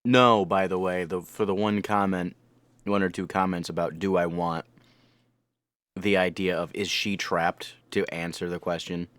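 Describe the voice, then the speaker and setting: Deep-voiced man rambling in reaction commentary. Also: steady tone, measured pace, fairly bright tone, dry recording. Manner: rambling, repeats words for emphasis. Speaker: anime reaction host and reviewer. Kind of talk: casual off-the-cuff reaction commentary.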